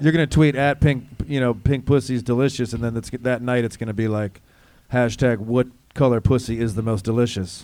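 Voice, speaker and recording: A man speaks fairly quickly in an ordinary speaking voice. His pitch is medium and his intonation fairly even. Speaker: comedian. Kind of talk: casual chat. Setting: stage with audience.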